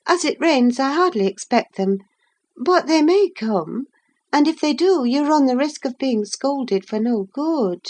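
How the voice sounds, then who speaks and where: Woman reader doing a whiny high young lady in a storybook, petulant and cross. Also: lively intonation, measured pace, a little mellow. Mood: coaxing. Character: petulant, peevish young woman, quick to irritation.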